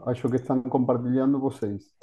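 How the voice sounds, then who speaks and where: A man's voice: medium pitch, flat delivery, fast talker, mellow. A man with an Argentine Spanish accent, a native Spanish speaker, giving an academic panel talk over a video call with many fillers and restarts. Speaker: university lecturer.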